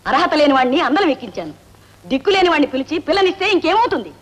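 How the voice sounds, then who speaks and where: A woman's voice: high voice, big pitch swings, rapid-fire. A woman acting in an old film drama, speaking sharply and scornfully. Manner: sharp, scolding.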